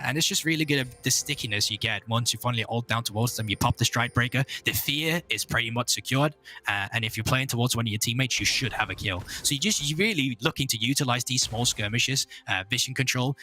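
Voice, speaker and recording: Fast, bright-toned male esports caster. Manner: rapid, excitable, jumps up in pitch on big plays. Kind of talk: analytical game commentary.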